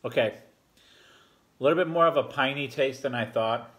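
A man's voice: medium pitch, normal speed. Rambling middle-aged man reviewing beer. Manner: relaxed, rambling, many fillers. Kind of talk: casual beer review vlog. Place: home bar room, indoors. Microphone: fixed camera at a table.

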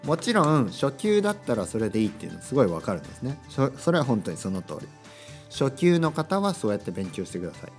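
A man from Kyushu talks through a casual solo podcast, his pitch swinging up and down in an animated, sing-song way. He repeats his points for emphasis and slips into playful acted-out exchanges. Soft music plays faintly behind him. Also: fast. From Kyushu, Japan. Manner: chatty, repeats phrases, acts out short dialogues. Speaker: podcast host teaching Japanese.

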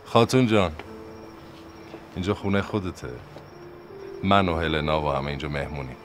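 An actor playing a stubborn, sarcastic uncle in a period TV drama, blustering and indignant. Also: male voice, extremely low pitch, expressive, music in the background. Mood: affectionate. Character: stubborn sarcastic middle-aged uncle, innkeeper host.

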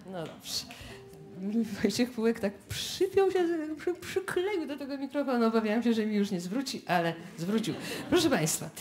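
A woman's voice: fairly high pitch, animated, moderate pace. A woman radio host speaking live before a studio audience, chatty and addressing the listeners directly. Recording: live stage with loud crowd and music. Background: loud audience noise and music.

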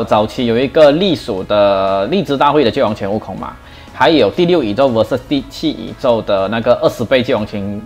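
A man giving a casual preview of a mobile game. He is chatty and excitable, and thinks out loud with repeated starts. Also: medium pitch.

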